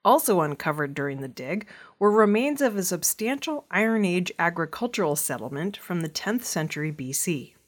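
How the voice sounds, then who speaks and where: Lower-voiced woman reading the news. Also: normal speed, few pauses. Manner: steady, clear newsreader delivery. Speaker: news reader.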